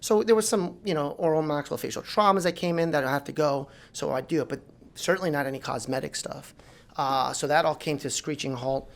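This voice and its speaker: Gravelly, animated man in his forties. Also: a little high, fast. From South Florida, United States. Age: 40s. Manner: animated, rambling with restarts and fillers. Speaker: guest, plastic surgeon. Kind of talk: casual interview talk. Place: podcast studio.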